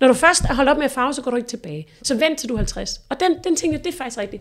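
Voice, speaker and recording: On a very clean recording with a silent background, a woman talks in a high pitch. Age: 40s. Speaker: influencer. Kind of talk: casual chat.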